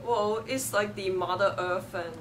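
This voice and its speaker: A woman's voice: medium pitch, measured pace, noisy background. A woman in her twenties from Hong Kong, with a Hong Kong English accent and Cantonese as her first language, reading a passage aloud and then answering interview questions with fillers and self-corrections. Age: 20s.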